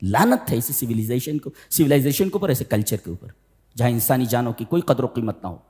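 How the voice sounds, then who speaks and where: A man giving a Quran commentary lecture, chanting Arabic verses slowly and breaking into sudden emphatic high bursts. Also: lively intonation, dark tone, big-room sound.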